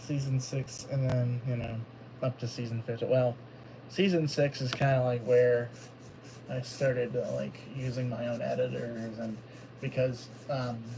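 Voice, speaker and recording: Monotone, flat male speech at a medium pitch and fairly slow pace, with noticeable background noise. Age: 20s. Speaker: youtuber. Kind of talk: casual livestream chat. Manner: halting, many fillers.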